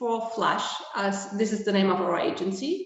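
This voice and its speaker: A woman speaks with a German accent. Her pitch is medium and her pace moderate. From Germany. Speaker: real estate agent. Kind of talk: interview answer. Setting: video call livestream.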